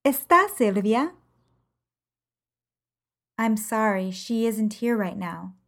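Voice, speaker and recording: Slow, careful woman teaching. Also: fairly high pitch, animated. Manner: measured, carefully enunciated example sentences. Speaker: Spanish language teacher. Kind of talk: slow, clear podcast lesson.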